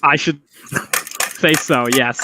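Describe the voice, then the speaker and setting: A man speaking for a company, announcing a product in a polished, measured corporate way over a remote connection. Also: medium pitch, noisy background. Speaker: company representative.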